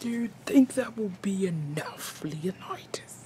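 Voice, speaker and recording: Over light background noise, a female-sounding voice puts on a character voice at medium pitch, speaking at a fairly slow pace. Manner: theatrical and exaggerated.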